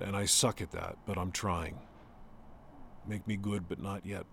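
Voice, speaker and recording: A man playing a grieving adult son talking to his father in an intimate, halting monologue whose voice sometimes breaks high. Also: lightly acted. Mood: reflective. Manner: halting, restarts, voice breaking into high strained pitch.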